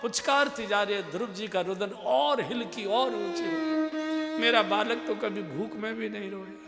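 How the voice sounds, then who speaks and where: A man's voice: sits high, expressive, normal speed. Emotional male preacher, echoey hall. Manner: emotional, dramatic storytelling. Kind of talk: devotional sermon storytelling. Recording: echoey hall with music behind.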